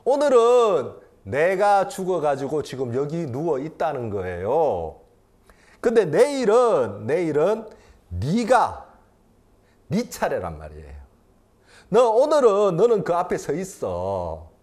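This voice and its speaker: A man in his fifties, a pastor preaching a sermon, swinging from loud emphatic lines to quiet intimate ones and repeating phrases for emphasis. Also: a little high, huge pitch swings, takes it slowly.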